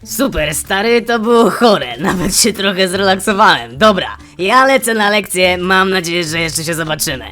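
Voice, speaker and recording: A boastful, easygoing young fire creature, with a woman acting him out, tossing off slang like he owns the place. The voice is bright and lively, swooping up and down, with game music playing under it. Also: mid-range voice, moderate pace, few pauses, natural voice. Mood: chill. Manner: laid-back, boastful slang. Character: cocky cool male Blaze student.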